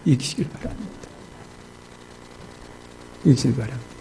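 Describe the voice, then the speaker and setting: A man preaching a sermon in a church, telling anecdotes and acting out his congregants' distressed pleas in high crying voices. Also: expressive, normal speed, gravelly, mellow, a little hiss or hum, poor audio. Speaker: pastor. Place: church sanctuary.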